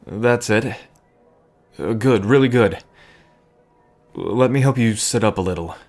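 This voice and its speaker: A man playing a gentle, nervous bartender who rambles earnestly and hesitantly, in an intimate audio drama. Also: lowish voice, unhurried, soft background music. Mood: concerned, reassuring. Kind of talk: intimate audio drama acting addressed to listener.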